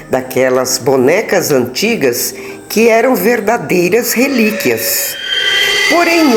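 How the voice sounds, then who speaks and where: Slow, expressive Brazilian woman storyteller, low voice. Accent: Brazilian Portuguese. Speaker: storyteller, channel host. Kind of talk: scripted horror story narration.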